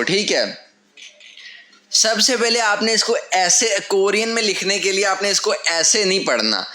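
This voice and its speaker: A man's voice: sits high, bright, forceful tone. Patient man teaching step by step. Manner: patient, step-by-step, repeating key phrases. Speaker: language teacher. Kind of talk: whiteboard lesson explanation. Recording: echoey room.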